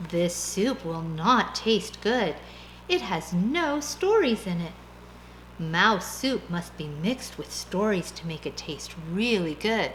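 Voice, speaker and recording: Using a put-on character voice of medium pitch, a woman speaks at a fairly slow pace against clear background noise. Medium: read story. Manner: calm, reasoning.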